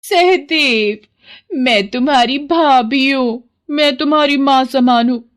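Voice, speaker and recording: A woman's voice: high-pitched, slow, pitched above the performer's own voice. A woman voicing a nosy sister-in-law in a cartoon story, speaking in a sweet, coaxing voice. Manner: sugary, coaxing.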